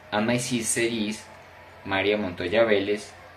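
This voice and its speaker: Noticeable background noise and audible room echo fill this recording. A man talks at a fairly low pitch with fairly even intonation. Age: 20s. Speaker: language student. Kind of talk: self-introduction presentation.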